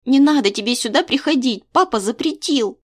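A woman's voice: sits high, lively intonation, a little fast, pitched above the performer's own voice. A woman voicing an angry, resentful schoolgirl who speaks coldly and accusingly. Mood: cross. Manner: sharp, scornful, raised voice.

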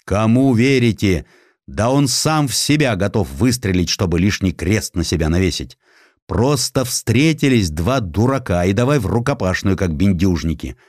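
A man's voice: lowish voice, very animated, normal speed, a little mellow, no room sound, clean studio sound. A man voicing a scornful male gendarme general in a historical audiobook, blunt, mocking and colloquial.

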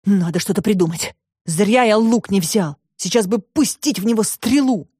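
A woman's voice: mid-range voice, moderate pace, breathy edge, no echo, clean studio sound, close to an everyday voice. A woman doing a brash, hot-headed young boy. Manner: brash and excitable.

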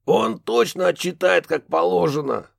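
A gruff male ghost witch-hunter, as an audiobook reader puts him on, sounds harsh, gravelly and husky. He barks and mocks, with his pitch leaping widely. The voice sits slightly higher than the reader's own. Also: expressive, moderate pace, no room sound, studio quality, full character voice. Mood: scolding. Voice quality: hoarse, gravelly. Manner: barking, mocking. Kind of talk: audiobook character voice.

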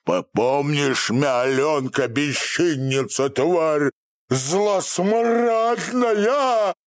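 A man's voice: a little high, drawn-out words, voice pushed up. A male narrator voicing an enraged peasant husband who screams abuse, trembling with rage. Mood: furious. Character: furious cursing peasant husband.

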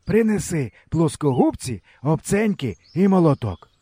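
A man's voice: a little high, very animated, unhurried, warm tone, breathy edge, no room sound, pitched above the performer's own voice, heavily acted. A man voicing a grumpy old village grandfather who scolds and twists words in an audiobook reading. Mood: gruff. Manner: grumbling, scolding rant. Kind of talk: audiobook character voice.

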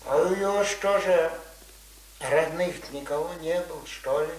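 A grumbling old country man played by a male actor in a radio drama. His voice is high for a man and he talks slowly, in plain, stubborn village speech. The recording is roomy, with faint noise. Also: close to an everyday voice. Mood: pensive. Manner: folksy, colloquial, grumbling. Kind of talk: radio play acting.

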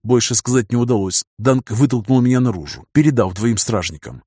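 A man narrating a first-person audiobook in a steady, even storytelling manner. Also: medium pitch, fairly quick, husky, dry recording, clean studio sound.

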